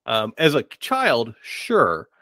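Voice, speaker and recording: Male podcast host, middle-aged, mid-pitched, conversational and halting, close dry recording. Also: wildly swooping pitch, sharp tone, dry recording. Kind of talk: casual discussion of tabletop gaming.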